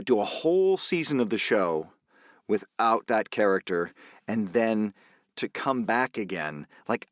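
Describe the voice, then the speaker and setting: A man, an actor guest on a podcast, talking things through thoughtfully and haltingly. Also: lowish voice, dry recording, studio quality. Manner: thoughtful, halting, many fillers and restarts. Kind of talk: casual interview chat.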